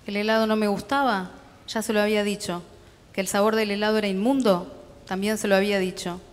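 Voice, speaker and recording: A woman with a Rioplatense accent reading a story aloud at a literary festival, in a steady, measured way. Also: mid-range voice, in a large hall. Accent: Rioplatense Spanish. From Argentina.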